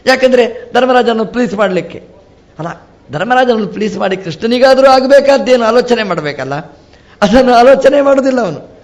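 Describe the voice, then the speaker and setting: A man, a swamiji, giving a storytelling religious discourse with lively rises and drops and acted-out dialogue. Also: extremely high pitch, fairly quick. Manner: animated, rising and falling sharply, quoting characters in dialogue. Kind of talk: storytelling sermon.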